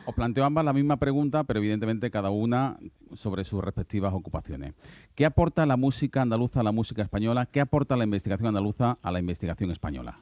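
A man with a fairly low voice, hosting an interview and asking his prepared questions at a fast, brisk clip. The sound is dry and close. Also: animated, darkish tone, no room sound. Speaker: interviewer, host.

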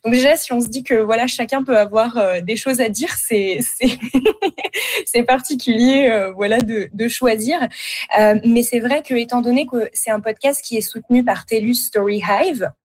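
A woman's voice: on the high side, normal speed, a little mellow. A woman from France with a French accent, answering a radio interview with many hesitations and fillers. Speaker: podcast host and career coach guest.

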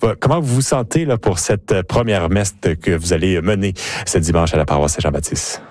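A man's voice: low-pitched, brisk, darkish tone, no echo, clean studio sound. A man interviewing two priests for radio, asking friendly questions with brief affirmations.

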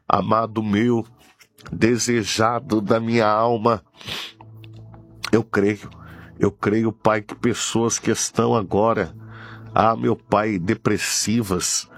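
Prayer leader, man, low gravelly voice, slow repetitive pleading, soft music behind. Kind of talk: fervent late-night prayer.

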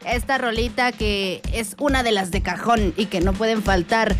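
A woman's voice: mid-range voice, fairly even intonation, normal speed. A woman with a northern Mexican Spanish accent hosting a chatty, effusive live radio show, reading listener messages and using affectionate diminutives. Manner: effusive, uses pet names and diminutives. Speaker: radio host. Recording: radio broadcast with music underneath.

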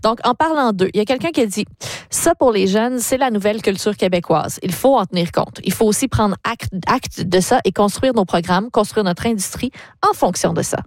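A woman's voice: mid-range voice, expressive, fairly quick, no echo. A woman hosting a radio quote quiz in a studio, chatty, with fillers and light laughs. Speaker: radio host.

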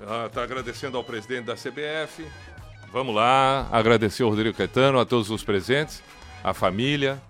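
A man with a Brazilian Portuguese accent hosting a live radio show, narrating an event as it happens in an excitable, urging way. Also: medium pitch, moderate pace, soft background music. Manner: excitable, urging, running play-by-play. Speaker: radio host. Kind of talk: live commentary chat.

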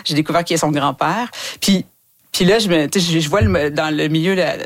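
A woman with a Quebec French accent, a filmmaker guest in an interview, speaking in animated bursts with frequent restarts. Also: sits low, fairly quick. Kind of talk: casual interview talk.

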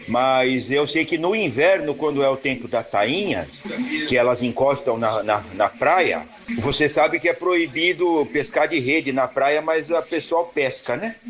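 Man, caller, rambling, informal, unhurried, slightly high voice. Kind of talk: recorded listener message.

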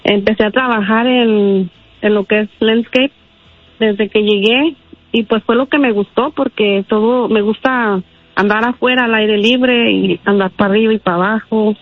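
A woman from Guanajuato telling her story modestly on a radio call-in, often pausing with small fillers. Her voice comes through a tinny, dry phone line. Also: on the high side, steady tone, no room sound. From Guanajuato, Mexico. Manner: modest, hesitant, many "pues". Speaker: caller.

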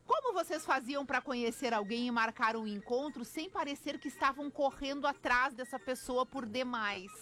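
A woman's voice: high-pitched, a bit bright, soft background music. A woman, co-hosting a radio talk show, reading out a listener's letter and bantering with the others. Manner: reads listener letters slowly, then banters. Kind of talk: casual radio chat.

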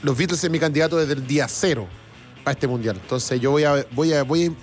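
A Chilean man hosting a casual radio music show, talking with enthusiasm and halting restarts. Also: fairly high pitch. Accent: Chilean Spanish. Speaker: radio host. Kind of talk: casual radio chat reading listener comments.

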